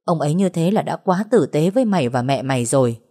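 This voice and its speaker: A woman voicing a calm, gentle young woman who speaks softly. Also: deep voice, fast, slightly rough. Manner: soft, mild speech.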